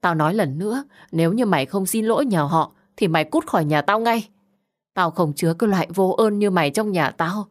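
A woman voicing a harsh, quick-tempered middle-aged mother who shouts insults in an audio story. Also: lowish voice, lively intonation, close to an everyday voice. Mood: furious.

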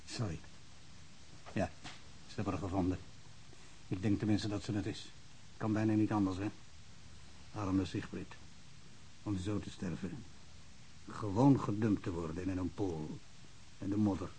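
A man's voice: sits low, steady tone, a little slow, long pauses, warm tone. Rambling small-town policeman, noisy recording. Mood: shaken, remorseful. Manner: stammering, repetitive, rambling. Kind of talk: radio drama acting.

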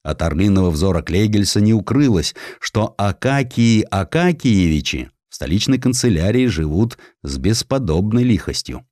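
A man reads a historical tale with theatrical irony. His voice sits fairly low and moves through very lively intonation. The sound is dry and close, with little room around it. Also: moderate pace, few pauses, no echo. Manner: theatrical, ironic storytelling. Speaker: audiobook narrator. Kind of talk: expressive narration of a satirical historical story.

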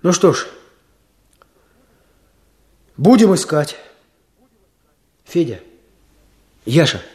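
An actor playing a firm village leader giving orders in a radio play. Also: male voice, fairly high pitch, sing-song, darkish tone. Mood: commanding. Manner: commanding, brisk orders.

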